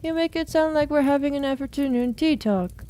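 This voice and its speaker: A woman's voice: sits high, moderate pace, mellow, lightly acted. A woman voicing a brash, impatient warrior lady in a visual novel, blunt and sarcastic in her interruptions. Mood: dismissive.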